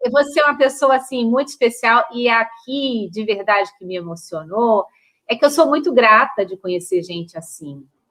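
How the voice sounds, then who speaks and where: A woman speaks at a fairly high pitch and a moderate pace. Her pitch swings very widely and her loudness shifts a lot. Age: 50s. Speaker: podcast host. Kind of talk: interview conversation. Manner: warm, emotional.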